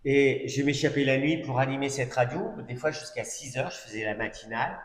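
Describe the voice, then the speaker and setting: A man's voice: medium pitch, brisk. A middle-aged man giving a sermon as a personal testimony, telling his story conversationally with asides and fillers. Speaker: preacher. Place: church hall. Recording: echoey church hall recording.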